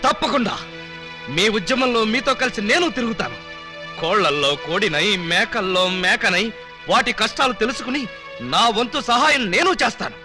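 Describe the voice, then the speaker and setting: A flustered comic cop. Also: male voice, very high-pitched, expressive. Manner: quick comic denials and wordplay. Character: comic flustered male police officer dodging marriage. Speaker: police officer. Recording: film soundtrack with music behind.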